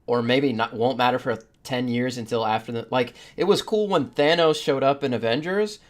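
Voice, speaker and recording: Male podcast host, average pitch, informal and opinionated, delivers views with emphasis. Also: moderate pace. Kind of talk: casual opinionated panel chat.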